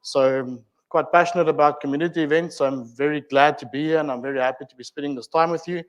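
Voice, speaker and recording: A man's voice: a little high, fairly even intonation, fast, rough recording. A man with a South African accent giving an informal technical talk at a community meetup, chatty and filled with ums, uhs and asides to the audience. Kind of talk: informal tech presentation.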